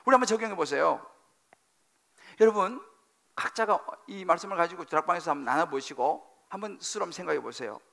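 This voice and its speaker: A middle-aged male senior pastor giving a sermon in a church sanctuary, preaching with animated emphasis, repeating phrases and putting questions to the congregation. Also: high voice, fast talker, vocal fry.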